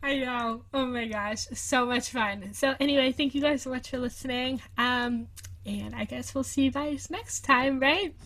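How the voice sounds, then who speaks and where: A woman's voice: sits high, moderate pace, fairly bright tone. A young woman hosting a podcast, chatting casually and giggling often, with plenty of fillers. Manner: giggly, bubbly, lots of fillers. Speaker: podcast host. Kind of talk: casual chat. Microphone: video call recording.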